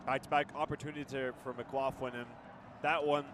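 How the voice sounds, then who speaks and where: A man giving live football color commentary in a conversational, slightly halting way. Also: mid-range voice, flat delivery, a bit bright. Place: outdoor stadium broadcast position. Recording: clear outdoor background noise.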